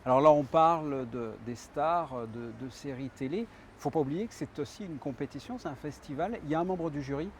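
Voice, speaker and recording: Chatty French news anchor. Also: male voice, fairly high pitch, a little fast, few pauses, slight background noise. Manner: chatty, hesitant with fillers. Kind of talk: studio news interview.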